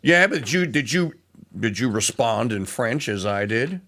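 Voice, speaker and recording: A middle-aged man from Louisiana, hosting a casual talk radio show, rambling and digressive with lots of fillers and restarts. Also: moderate pace. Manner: animated pitch swings.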